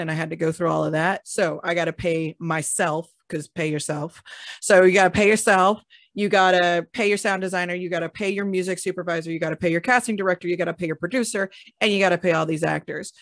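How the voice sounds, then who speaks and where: A woman's voice: fairly low pitch, no echo. A woman who creates audio dramas, talking frankly in a casual panel, laughing often and swearing now and then.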